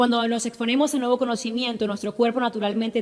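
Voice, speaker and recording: A woman with a fairly high voice talks at a fairly quick pace in an animated tone. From Colombia, Barranquilla. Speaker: business speaker. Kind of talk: conference talk. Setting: stage with audience. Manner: fast.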